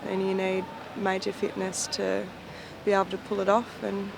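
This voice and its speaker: A woman in her late thirties talks in a flat, gravelly voice. She is relaxed and fills gaps with soft fillers. Background noise hangs behind her. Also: medium pitch, moderate pace. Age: 30s. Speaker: roller derby player interviewee. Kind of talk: casual interview answers. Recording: noisy background.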